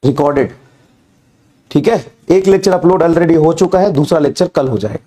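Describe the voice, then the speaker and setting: A man's voice: normal speed, warm tone. Feverish male teacher with a cracking voice. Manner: low-energy, repetitive, coaxing rhetorical questions. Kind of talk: recorded online class lecture.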